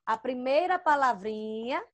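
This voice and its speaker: A high-pitched woman runs an online class for small children. She talks into her computer microphone with patient, coaxing warmth. She keeps checking in and spells out syllables slowly. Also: expressive. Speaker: first-grade teacher. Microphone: computer microphone, with headphones.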